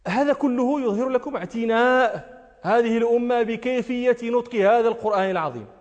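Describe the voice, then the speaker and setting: A man's voice: very high-pitched, a little fast, muffled recording. A man giving an emphatic religious lecture, repeating key phrases and asking rhetorical questions. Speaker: religious scholar teaching a lesson. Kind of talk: lecture on recitation and jurisprudence. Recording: long hall reverb.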